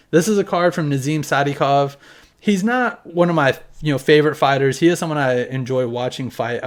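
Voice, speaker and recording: A man in his thirties talking casually to camera at home, showing off his collection in a loose, rambling way and swearing now and then. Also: a little high. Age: 30s. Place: home room with collection on display.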